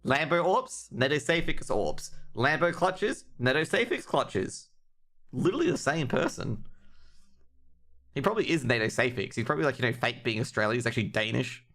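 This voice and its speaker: His medium-pitched, slightly bright voice swings widely in pitch at a normal speed. He's casually commentating an esports match live, cracking jokes and bantering with his chat. There's clear background noise with clicking.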